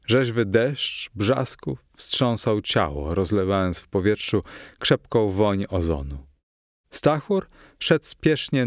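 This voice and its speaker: A man narrating a novel in the first person, in a measured, steady storytelling manner. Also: fairly low pitch, no echo, studio quality. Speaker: audiobook narrator.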